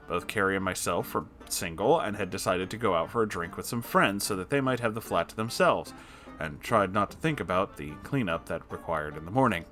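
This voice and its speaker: A man with a fairly low voice hosts a story reading over faint music. He moves between narration and his own commentary. His asides are sarcastic and exasperated, delivered expressively. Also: animated, brisk, fairly bright tone. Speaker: host reading and reacting to online stories.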